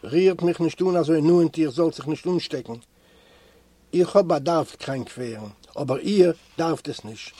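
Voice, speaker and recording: A man's voice: on the high side, unhurried, dark tone, dry recording. A man voicing a feverish young male prisoner who pleads weakly and urgently, in a storybook reading.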